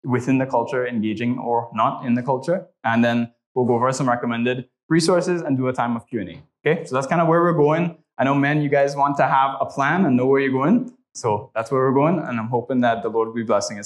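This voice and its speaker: Speaking a little fast with few pauses, this medium-pitched young man from Trinidad and Tobago leads a church class and a prayer. His Trinidadian-accented delivery is conversational and full of "right?" tags.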